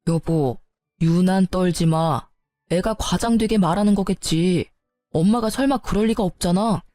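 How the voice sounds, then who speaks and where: A grumbling husband who brushes off every complaint, in a lowered voice, as a woman puts him on. The sound is mellow and dry. It comes from a narrated family tale. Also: moderate pace, no room sound, faint music behind, natural voice. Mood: annoyed. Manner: grumbling, dismissive. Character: irritated husband, dismissive.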